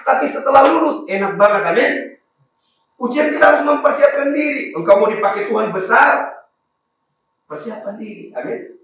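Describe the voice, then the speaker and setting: A man from Maluku with a raspy voice, preaching fervently to a congregation. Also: sits high, a bit bright, a little hiss or hum. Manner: fervent preaching with frequent congregation address and hallelujahs. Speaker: pastor. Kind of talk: sermon. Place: church hall. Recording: echoey church hall from far off.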